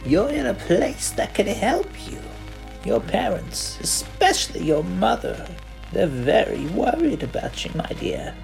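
Woman as soothing nun, slow and lilting, slight fry, over music. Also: mid-range voice, big pitch swings, heavily acted, low-quality recording. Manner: slow, soothing, gently persuasive. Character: calm, coaxing nun caring for a child. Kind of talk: horror audio drama reading. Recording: music playing underneath.

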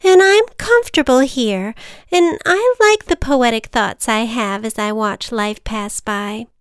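Storybook figure: a high-strung, defensive butterfly girl, voiced by a woman, pitched up, dry close sound. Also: lively intonation, unhurried, clear, resonant tone, dry recording. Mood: fretful. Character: timid, prim female butterfly afraid to fly.

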